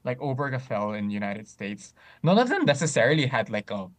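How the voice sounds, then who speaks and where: A man in casual discussion, speaking thoughtfully with frequent pauses and restarts. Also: medium pitch, big pitch swings. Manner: many fillers and restarts, thoughtful.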